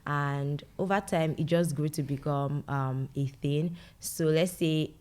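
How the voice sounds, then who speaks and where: A woman's voice: deep voice, steady tone, slow, a little mellow. A young woman with a Nigerian accent, answering conversationally as an interview guest. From Lagos, Nigeria. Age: young adult. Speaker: interview guest, medical doctor and content creator.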